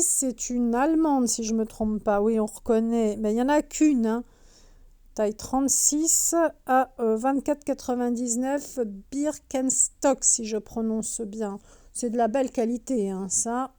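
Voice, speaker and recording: A woman's voice: a little high, dark tone, smooth. A woman giving casual shopping vlog commentary in a discount store, chatty and full of fillers, with a slightly sore throat from wearing a mask. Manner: chatty, fills with "euh" and "hein", reads prices aloud. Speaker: vlogger showing a discount store shoe display. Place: inside a large discount store.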